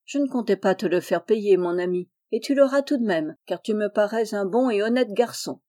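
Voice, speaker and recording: A woman reading aloud and voicing a gentle, kindly middle-aged innkeeper. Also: medium pitch, normal speed, dry recording, studio quality, natural voice.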